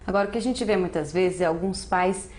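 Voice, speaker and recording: A woman's voice: on the low side, brisk, darkish tone. A woman TV news presenter with a Brazilian Portuguese accent, interviewing a guest with brief, prompting questions.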